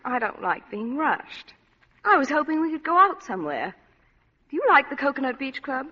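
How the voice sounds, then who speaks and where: A woman's voice: high voice, big pitch swings, moderate pace. A woman playing a flirtatious, scheming wealthy wife with a coy, teasing manner in a vintage radio drama. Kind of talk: 1940s radio acting. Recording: muffled old radio broadcast with music.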